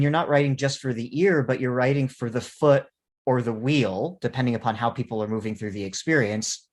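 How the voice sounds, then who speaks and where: A man speaking as a panelist in a discussion, with articulate, elaborate academic phrasing. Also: medium pitch. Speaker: panelist, theatre writer and producer.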